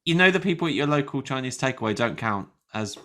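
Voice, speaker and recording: A man's voice: medium pitch, expressive, fast, a bit bright. A man co-hosting a podcast, teasing his co-host and giggling through casual chat. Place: Brighton.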